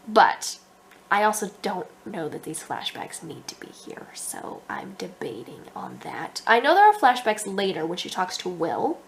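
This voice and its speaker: A woman's voice: medium pitch, creaky, a little hiss or hum. A young adult woman with a stuffy, congested voice, talking casually about her writing and thinking aloud with lots of ums. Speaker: author vlogger.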